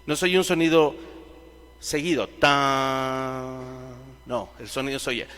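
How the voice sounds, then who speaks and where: A man's voice: fairly high pitch, normal speed, in a large hall. A man with a Mexican accent teaching a Bible class to a live audience, often quizzing them directly. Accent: Mexican Spanish. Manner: questions the audience directly, lively. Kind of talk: sermon-style Bible teaching.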